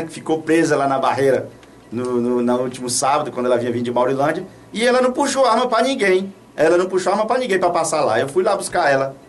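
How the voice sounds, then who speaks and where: With a fairly high-pitched voice and slight background noise, this man from Brazil does informal radio commentary and shout-outs in a small studio. He's outspoken and colloquial and tends to repeat himself. Headphones on, he speaks a little away from a boom microphone set off to the side.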